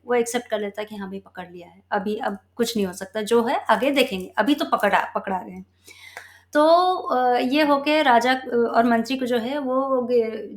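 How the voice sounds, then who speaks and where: Woman telling a parable, slightly high voice. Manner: conversational, halting with fillers and self-corrections. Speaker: spiritual storyteller. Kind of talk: casual storytelling with a moral.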